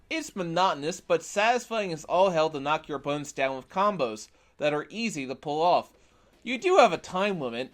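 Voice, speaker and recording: A man with a high, very animated voice narrates a scripted video game review. He is opinionated and drops in wry, sarcastic asides.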